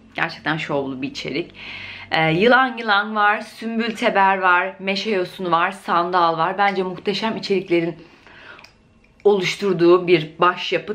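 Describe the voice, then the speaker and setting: This woman has a medium pitch, a bright, sharp tone, ordinary pitch variation, and a fairly slow pace. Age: 30s. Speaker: beauty and perfume vlogger. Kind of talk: casual vlog talk to camera.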